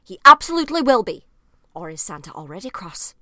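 A woman playing an excitable, playful time-travelling leader in a dramatised story, chatty and eager. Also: medium pitch, a little fast, no echo. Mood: earnest, eager.

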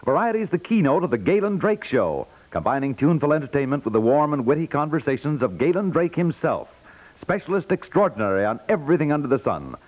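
A man's voice: a little high, very animated, fast talker. A man with an American accent reading scripted 1950s network radio announcements in a polished, upbeat sales delivery. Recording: dull lo-fi 1950s radio recording.

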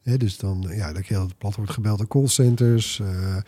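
A man's voice: lowish voice, fairly even intonation, moderate pace, dark tone, slightly rough. A man hosting a casual tech podcast, talking in a colloquial, opinionated way. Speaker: podcast host.

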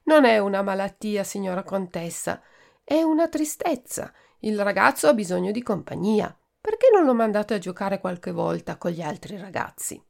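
A woman voicing a plain-spoken, kindly doctor who talks calmly and frankly. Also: medium pitch, moderate pace, vocal fry. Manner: calm, frank, firm.

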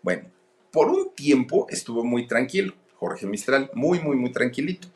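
A man's voice: medium pitch, lively intonation, moderate pace, a little mellow. A man telling a gossipy story casually, turning to the listeners with frequent asides. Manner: chatty, addresses listeners directly with asides. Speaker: storytelling host.

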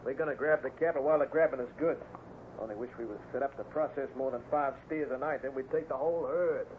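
Man playing rustler boss, scheming and greedy, rough folksy talk, radio Western, tinny noisy vintage recording. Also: medium pitch, fast talker, close to an everyday voice. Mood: scheming, scornful. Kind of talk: 1950s radio Western acting.

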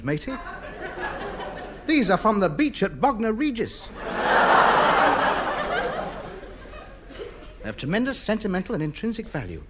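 A pompous hoarder who blusters and waxes grandly, his voice fairly high and swinging up and down with lively swoops. It is an old radio comedy broadcast with a clearly audible noise hiss under the voice. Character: pompous, self-important middle-aged man hoarding junk. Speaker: comedy lead. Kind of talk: 1950s radio sitcom acting.

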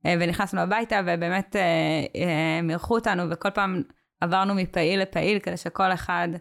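A woman's voice: fairly low pitch, steady tone, fairly bright tone. A woman speaking as a guest in a podcast interview, talking hesitantly with many filler sounds and restarts. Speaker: community worker, guest.

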